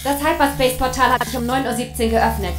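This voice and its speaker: A woman's voice: fairly high pitch, fairly even intonation, fast talker, roomy sound, loud music behind the voice, natural voice. An actress playing a cool, composed female android in a sci-fi audio drama. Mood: cool, taunting.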